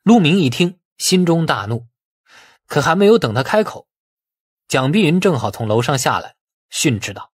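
A man with a husky voice narrating a novel in a dramatic, scripted audiobook style. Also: fairly high pitch, sing-song, normal speed, pauses often, no echo, clean studio sound.

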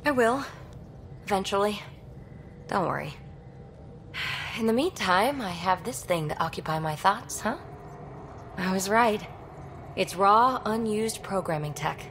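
A woman's voice: mid-range voice, expressive, a little slow, long pauses, a bit bright, a little hiss or hum. A woman playing a young, impulsive alien explorer in a video game, wry, casual and earnest. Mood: hopeful. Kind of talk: video game cinematic acting.

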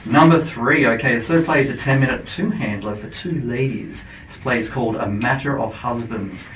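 A man's voice: medium pitch, moderate pace, fairly bright tone, slight background noise. An Australian man talking eagerly as a studio guest on a radio show, explaining with frequent fillers. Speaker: theatre company guest promoting plays. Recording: roomy, distant camera audio.

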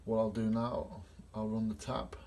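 A middle-aged gas engineer with a gravelly, creaky voice gives a plain, step-by-step repair demonstration, filming on a phone he holds himself. He speaks unhurriedly and flatly in a lowish, darkish voice, and the sound is that of a small indoor workshop.

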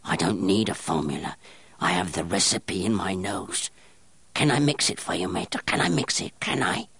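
A man voicing a strange young outcast who speaks in a quiet, pinched, rasping snarl. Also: low-pitched, lively intonation, normal speed, no room sound, exaggerated voice. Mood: hushed eager.

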